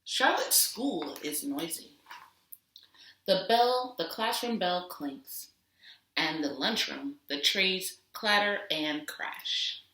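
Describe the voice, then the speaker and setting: A woman teacher giving an expressive storybook read-aloud for children, deliberate and with dramatic emphasis. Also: lowish voice. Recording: roomy echo, distant microphone.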